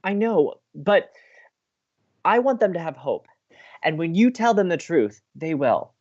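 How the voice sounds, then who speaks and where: An actor playing an earnest, dreamy and determined young college radio co-host in an audio drama. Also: male voice, fairly high pitch, very animated, measured pace, darkish tone, lo-fi sound, full character voice. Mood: pleading, hopeful. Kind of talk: naturalistic audio drama acting.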